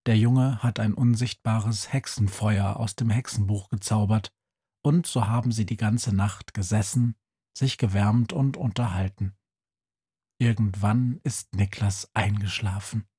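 A male storyteller reads a children's audiobook at a slow, deliberate pace. His voice is husky, with a calm, measured delivery. Middle pitch, nothing forced. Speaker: narrator. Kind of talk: audiobook narration.

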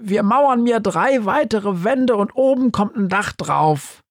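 A man's voice: sits high, expressive, takes it slowly, no room sound, clean studio sound, voice pushed up, heavily acted. A man voicing an eager, chatty female mould fungus in an audiobook. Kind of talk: audiobook character voice.

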